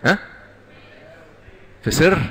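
A man with an Egyptian Arabic accent preaching a sermon to young people, quizzing the audience and drawing out lists slowly and emphatically. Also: fairly bright tone. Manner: asks the audience questions and answers them. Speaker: lay preacher.

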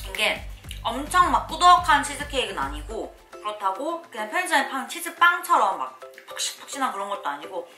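Lively young woman reviewing food over music. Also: fairly high pitch, fairly quick, roomy sound. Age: young adult. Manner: expressive, playful. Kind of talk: casual review chat to camera while tasting baked goods. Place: small living room at home, also a cafe. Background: background music.

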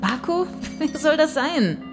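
A woman's voice: high voice, lively intonation, slow pace, over music. An actress playing a determined female police inspector in an audio drama, curt, demanding and no-nonsense. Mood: alarmed, defiant.

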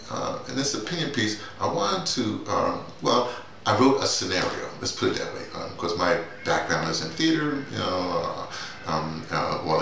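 A low, gravelly middle-aged man chats informally to a camera in a very echoey office. He rambles and halts, doubling back on words and wandering into side remarks. The mic sits at a distance, so the voice sounds roomy and removed. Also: fairly bright tone. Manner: rambling, halting, repeats words and digresses. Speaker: playwright and audio drama director presenting his writing. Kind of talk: casual off-the-cuff vlog talk. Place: small bare-walled office, indoors. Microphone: camera mic a few feet away. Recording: distant mic, echoey room, noisy background.

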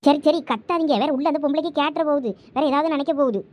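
In a village comedy skit, a young Thoothukudi Tamil woman squabbles through household dialogue. Her voice sits high and runs fast, with a somewhat dark tone.

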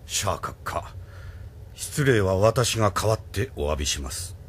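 A stern, formal admiral. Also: male voice, deep voice, sing-song, a little slow, husky, exaggerated voice. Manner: formal, commanding. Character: stern formal male admiral, stickler for rank.

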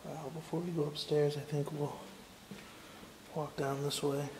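A man's voice: a little high, level tone, measured pace. A young man narrates his walk through a large empty house for his camera, awed and on edge, calling out into the rooms and dropping to a whisper. His tone stays fairly level. The bare rooms ring with echo, and a faint hiss sits under the camera mic. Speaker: urban explorer. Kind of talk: exploration vlog narration. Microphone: handheld camera mic.

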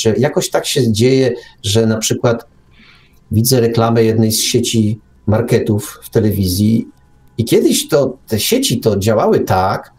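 A man's voice: medium pitch, darkish tone. A man hosting a radio talk show, giving opinions conversationally, with ironic exaggeration, rhetorical questions and repetition for emphasis. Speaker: podcast host.

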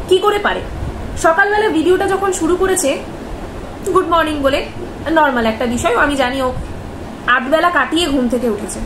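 A young woman speaks straight to camera in a high, bright voice, asking one rhetorical question after another. Her voice rings off the walls of a bare, echoey bedroom. A clear hiss of noise runs under it. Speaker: vlogger. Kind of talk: commentary vlog. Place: bedroom, indoors. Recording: echoey room with background noise.

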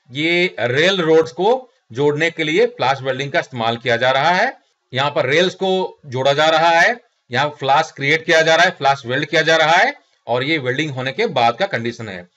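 A man's voice: fairly high pitch, a bit bright. A middle-aged man with an Indian accent, teaching a technical lesson over slides, explaining step by step and addressing viewers as friends. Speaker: instructor. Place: small studio room indoors. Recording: slightly dull lo-fi sound.

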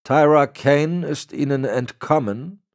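A man voicing a frail, cold old crime boss who gives orders in a raspy voice. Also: on the high side, slow, voice pushed up. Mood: icy. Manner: cold, commanding. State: raspy, cracking voice.

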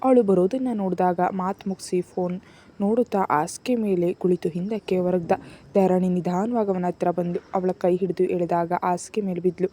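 A woman narrating a serialized romance novel in a steady, soft storytelling manner. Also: on the low side, normal speed. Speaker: audiobook narrator.

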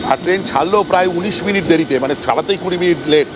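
A man giving a casual travel vlog, chatting and explaining things to viewers and companions. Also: rapid-fire. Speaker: travel vlogger. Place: aboard a local train. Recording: noisy train ambience. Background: train and vehicle rumble.

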